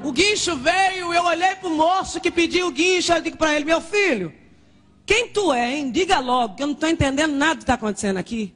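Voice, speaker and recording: A woman missionary from Brazil preaching a fervent pentecostal sermon and testimony, often shouting and speaking in tongues. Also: high voice, lively intonation, brisk, soft background music.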